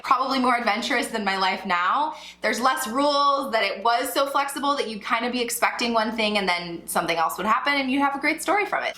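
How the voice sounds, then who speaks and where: A woman's voice: on the high side, bright, forceful tone. A woman in her thirties who grew up in Ecuador, a birth coach explaining her motto in a chatty, upbeat vlog. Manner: chatty and upbeat, many likes and slashes. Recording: echoey room.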